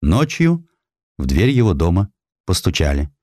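A male audiobook narrator reads history with theatrical emphasis. His voice is very low and moves widely in pitch. The sound is dry and close, suited to dramatic scripted storytelling. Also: sing-song, a little slow, a little mellow, no echo.

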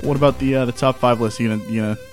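A man's voice: medium pitch, steady tone, very fast, faint music behind. A man with a New Jersey accent hosting a gaming podcast, bantering, teasing and laughing with his co-hosts. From US East Coast. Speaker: podcast host. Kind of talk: casual chat.

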